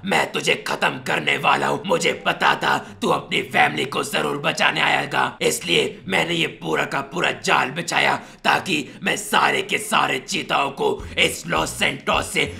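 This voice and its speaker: A man voicing a menacing, boastful lion villain in a game story, with a gravelly, taunting delivery. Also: fairly high pitch, fairly even intonation, measured pace, hardly any pauses, sharp tone, voice pushed down, heavily acted. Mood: gloating menace. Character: menacing gloating male lion villain monster.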